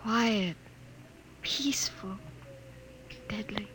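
An actress playing a young wife and survivor in a 1950s radio drama, earnest and dramatic, on a noisy old recording. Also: female voice, medium pitch, drawn-out words, a bit bright. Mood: hushed, afraid. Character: young wife, fearful yet hopeful survivor from underground.

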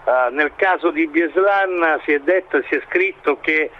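A man giving expert current-affairs analysis in an interview, speaking in a halting, hesitant way as he builds his points. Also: on the high side, highs cut off. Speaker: expert commentator being interviewed.

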